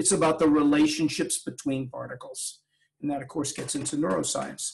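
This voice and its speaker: Against a quiet background, a man talks at a fairly quick pace with ordinary pitch variation. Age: 60s. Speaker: author and former business professor. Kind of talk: panel interview. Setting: video call. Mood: reflective, earnest. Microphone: video call.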